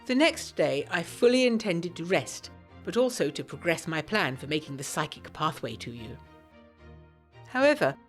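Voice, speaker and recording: A woman's voice: fairly low pitch, very animated, normal speed, soft background music. A woman playing a genteel, secretive young 1920s Englishwoman, narrating a gothic audio drama in a refined, confiding way. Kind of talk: scripted first-person audio drama narration.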